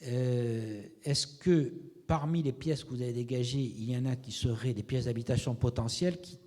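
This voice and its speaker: A man leading a seminar, asking measured questions and thinking aloud about the findings. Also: medium pitch, fairly even intonation, dark tone. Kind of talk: academic discussion. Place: lecture hall. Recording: reverberant lecture hall.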